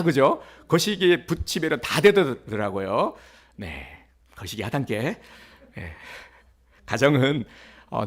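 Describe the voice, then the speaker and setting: Gravelly-voiced male pastor preaching. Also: mid-range voice. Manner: conversational preaching with fillers and acted quotes. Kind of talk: sermon.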